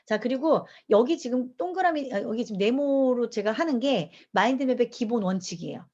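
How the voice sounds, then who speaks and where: A woman's voice: on the high side, normal speed. A woman teaching mind mapping in an online lecture, asking her audience questions as she goes. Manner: lively, asks the audience questions. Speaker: mind map instructor. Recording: dull lo-fi online class audio.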